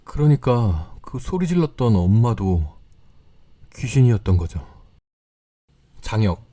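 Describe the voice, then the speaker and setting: A man calmly narrating scripted horror stories in a measured, storytelling way. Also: fairly low pitch.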